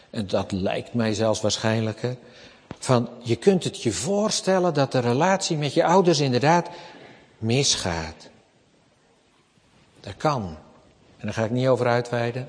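A man preaching a sermon as pastor, slow and emphatic, often rising to raised, forceful passages. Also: medium pitch. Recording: long church reverb.

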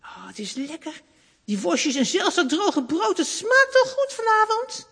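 A woman's voice: very high voice, very animated, measured pace, a bit bright, voice pushed up, heavily acted. A woman voicing an earnest young boy who plays a shepherd, as she reads a children's story aloud. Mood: pleased. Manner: earnest, wondering. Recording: long hall reverb.

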